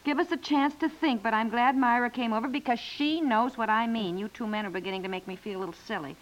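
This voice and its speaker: An actress playing a fussy, indecisive housewife in a 1950s radio comedy, hesitant and apologetic, often trailing off. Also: female voice, on the high side, fast talker, close to an everyday voice. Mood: earnest, vague. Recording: muffled 1950s radio broadcast.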